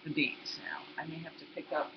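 A woman's voice: deep voice, big pitch swings, normal speed, creaky. Chatty older woman demonstrating a recipe. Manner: chatty, explains each step to the viewer. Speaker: cooking instructor. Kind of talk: home cooking demonstration. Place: home kitchen, indoors. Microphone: laptop built-in mic. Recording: roomy, dull lo-fi laptop sound with background noise.

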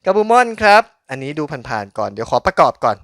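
Bright-voiced man, casual unboxing host. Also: medium pitch, very animated, fast, dry recording, studio quality. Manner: polite, chatty, thinking aloud while handling objects. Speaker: host of a collectible toy unboxing channel. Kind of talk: casual hands-on unboxing commentary.

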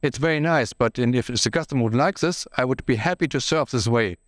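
A man's voice: mid-range voice, fairly quick, no echo. A middle-aged man with a German accent answers interview questions in a brewery, searching for words as he goes. He speaks on a lapel mic. The sound is dry and close. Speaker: brewery manager. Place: brewery hall indoors.

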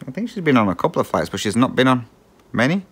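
A man's voice: medium pitch, sing-song, quick pace, fairly bright tone, slightly rough. A middle-aged Englishman with a slight Australian twang, chatting casually and rambling while he cross-stitches, with frequent ums and chuckles. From England. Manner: rambling, chuckles often, many ums and restarts.

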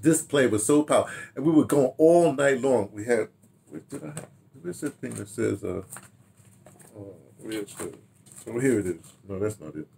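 An American man in his sixties reminisces casually in a rambling, halting way, repeating words and throwing in animated asides, recorded in a home study. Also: mid-range voice, vocal fry, slight background noise. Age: 60s. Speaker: radio drama director telling his history. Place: small home study, indoors.

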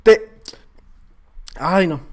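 A young man with a Mexican accent commenting on his own gameplay, excitable and prone to shouts and laughter, muttering to himself between bursts. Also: high voice, extremely slow. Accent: Mexican Spanish. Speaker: gaming YouTuber. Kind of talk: live Minecraft gameplay commentary.

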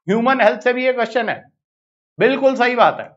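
A man with an Indian accent teaching biology in a live online exam-prep lecture, brisk and coaxing, repeating phrases to hurry his students along. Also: very high voice, lively intonation. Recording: slightly dull lo-fi audio.

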